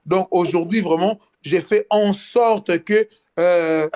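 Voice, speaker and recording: A man speaking as a guest in a casual live video chat, earnest and halting, with many restarts. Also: high voice, a little mellow. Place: in France.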